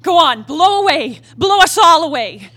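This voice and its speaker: A woman's voice: very high voice, sing-song, moderate pace, a bit bright, dry recording, full character voice. A woman acting a restless, defiant young wife in a dramatic stage play reading, yearning and impassioned. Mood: agitated, defiant. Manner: theatrical, impassioned soliloquy. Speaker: playwright reading her own play.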